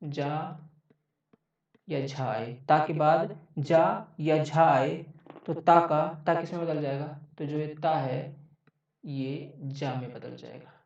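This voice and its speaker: A man's voice: a little high, steady tone, takes it slowly, gravelly, a little mellow. Man teaching in an echoey room. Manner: repeats each point, checks with frequent "okay". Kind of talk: exam-prep grammar lecture. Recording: echoey, distant, dull mic.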